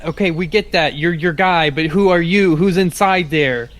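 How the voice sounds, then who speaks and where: Higher-voiced exasperated man roleplaying. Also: moderate pace, a bit bright. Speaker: player in a tabletop roleplaying podcast. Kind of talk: in-character improvised roleplay.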